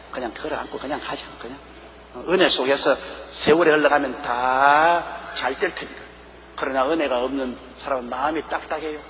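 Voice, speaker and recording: An older man, a pastor with a Gyeongsang accent, preaching a sermon with sudden swings between loud and soft. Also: a little high. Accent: Gyeongsang Korean. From Gyeongsang region, Korea. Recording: reverberant hall, dull lo-fi sound.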